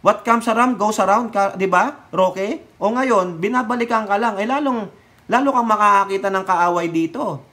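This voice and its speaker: A man's voice: sits high, normal speed, sharp tone. A man from the Philippines giving heated, sarcastic political commentary, scolding his subject directly and talking to his viewers.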